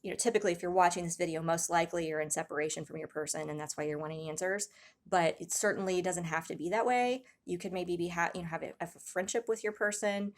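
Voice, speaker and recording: A woman giving a casual tarot reading to viewers, talking softly with many pauses and restarts, her throat a little raspy. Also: lowish voice, steady tone. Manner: soft-spoken, hesitant, many ums and restarts, gasps in awe. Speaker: tarot reader.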